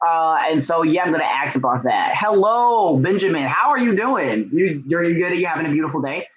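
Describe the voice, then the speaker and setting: Higher-pitched young man, gushing and chatty. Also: fairly quick, highs cut off. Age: young adult. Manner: gushing, excitable, slangy with frequent "like" and "y'all". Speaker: book vlogger and writer hosting a livestream. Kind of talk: casual, chatty livestream talk.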